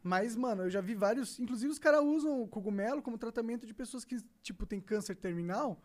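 A woman with a Brazilian accent hosting a casual podcast chat, slangy and quick to react with swear words. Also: fairly high pitch, darkish tone. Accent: Brazilian Portuguese.

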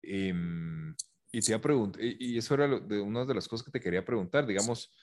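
A man's voice: fairly low pitch, brisk. A man interviewing a footballer, asking long, rambling questions full of fillers. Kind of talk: conversational interview.

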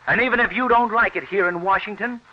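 An actor playing an earnest, resolute American wheat scientist in a 1940s radio drama. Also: male voice, sits high, quick pace, natural voice. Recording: muffled old radio recording.

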